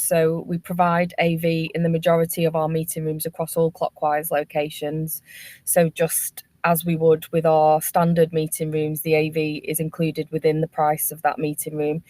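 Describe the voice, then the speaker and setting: A woman answering as a business panellist in an informal professional discussion, explaining in a measured way. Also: low voice, a little mellow, dry recording. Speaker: webinar panellist, workspace company representative.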